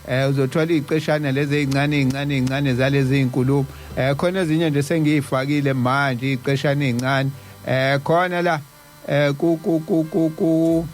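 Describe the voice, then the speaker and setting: A man with a South African accent hosting live radio in casual talk, often stammering and repeating syllables as he goes. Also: a little high. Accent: South African Zulu-speaking. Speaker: radio host. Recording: music behind the voice. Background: music.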